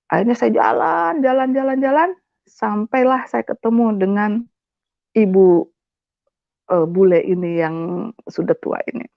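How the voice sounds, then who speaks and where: A woman's voice: mid-range voice, a little slow, creaky, pauses often, no echo, dull audio. Woman, emotional testimony, impassioned storytelling, English words mixed in, dry close sound. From West Java, Indonesia. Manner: tearful, impassioned storytelling, addresses the audience directly; drops English words into her speech. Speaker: guest giving a testimony.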